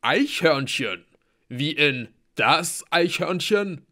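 A man reading aloud and voicing a hulking, gruff berserker who talks slowly and bluntly. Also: a little high, lively intonation, pushed and bright, voice pushed up, heavily acted. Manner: slow, blunt.

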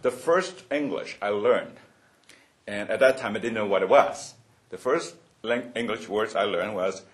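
A man in his seventies from Hong Kong, sharing childhood memories at a roundtable, with many fillers and restarts and frequent chuckles. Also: lowish voice. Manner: halting, many fillers and restarts, laughs often. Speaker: roundtable speaker. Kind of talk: personal reminiscence at a panel.

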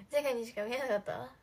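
A woman's voice: fairly high pitch, darkish tone, slightly rough. A young woman chatting casually on a livestream, giggling often and talking to viewers' comments. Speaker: idol livestream host.

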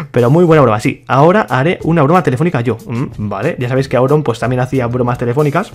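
A young man talks through a game in a loose, joking way, chuckling often and reading out what other players type. His voice sits at an ordinary middle pitch, and soft music plays faintly under it. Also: fast. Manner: playful, laughs often, reads other players' chat aloud. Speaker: gaming YouTuber. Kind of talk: casual gameplay commentary.

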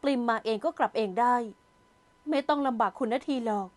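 A wounded young woman who stays polite but slips in sharp, sulky jabs, as voiced by a woman reader. Her voice is high and light. She belongs to a spoken romance novel. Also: a little fast, close to an everyday voice. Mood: hurt polite.

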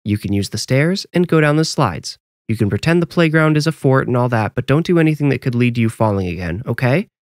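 A man's voice: mid-range voice, lively intonation, quick pace, hardly any pauses, dry recording, clean studio sound, pitched above the performer's own voice, lightly acted. Man voicing a cautious, protective mother. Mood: cautious, bargaining.

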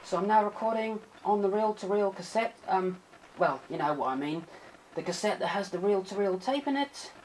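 A woman giving a casual hands-on demonstration with a hesitant, halting delivery, picked up on a camcorder microphone. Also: mid-range voice, expressive, a little mellow. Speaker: hobbyist video maker, demonstrator. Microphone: camcorder microphone near the bench. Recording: noisy amateur camcorder sound.

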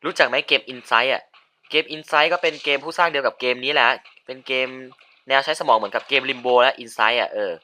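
A man giving casual let's-play commentary, chatty and given to sudden yelps and shouts. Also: medium pitch, moderate pace. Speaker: gaming video host.

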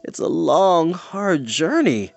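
A man's voice: on the high side, very animated, creaky, a little mellow, faint music behind, voice pushed up, exaggerated voice. Man acting a mournful, whining fairy creature. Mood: weary, complaining. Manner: drawn-out sighing, mournful, hesitant. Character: melancholy, whining, fretful fairy-folk creature, endlessly gloomy.

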